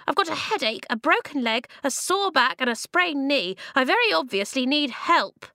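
A high, reedy and creaky little man made of stone, played by a woman narrator, tart and pompous. He snaps and complains in a squeaky storybook voice, pitched well up. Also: sing-song, moderate pace, bright, forceful tone, no echo, clean studio sound, full character voice. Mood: tart, complaining. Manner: tart, snapping, haughty complaining. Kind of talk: children's audiobook character voice.

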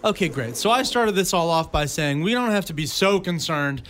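A man's voice: fairly high pitch, lively intonation, normal speed, a bit bright. A man co-hosting a radio show, chatting casually with a joking, playful way of talking. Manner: chatty, jokey, playful exaggeration.

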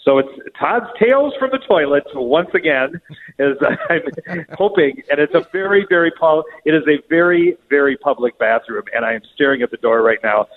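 Chatty male contributor calling in on a tinny phone line, restroom echo all around him, lively delivery. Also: a little high, normal speed. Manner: chatty, self-joking. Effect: echo of a tiled public restroom. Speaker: weekly events contributor calling in. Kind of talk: casual radio call-in chat. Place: public restroom.

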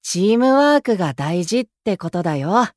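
A woman playing a gentle, earnest young male idol in a voice drama, explaining things kindly. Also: medium pitch, very animated, moderate pace, no room sound, studio quality, lightly acted. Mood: earnest, encouraging. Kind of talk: anime-style voice drama acting. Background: music.

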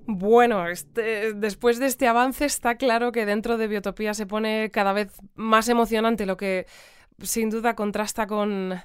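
A woman's voice: fairly high pitch, fairly even intonation, measured pace, smooth, no room sound, close to an everyday voice. A woman playing a chatty, polite news presenter in an audio drama.

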